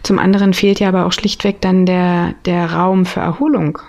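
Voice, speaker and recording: A woman's voice: lowish voice, level tone, moderate pace, creaky, a little mellow, muffled recording. Candid, slangy woman from Berlin. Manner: candid, slangy, with self-corrections. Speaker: podcast co-host. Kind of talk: casual conversational podcast.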